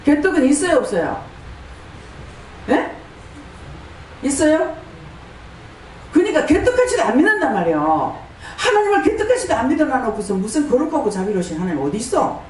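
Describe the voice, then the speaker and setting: A woman's voice: high voice, wildly swooping pitch, fast talker, few pauses, darkish tone. Fiery Gyeongsang woman preacher, echoey hall. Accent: Gyeongsang Korean. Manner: scolding, full of rhetorical questions. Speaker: pastor and prayer house director. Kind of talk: fiery sermon. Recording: echoey hall, distant mic, faint noise.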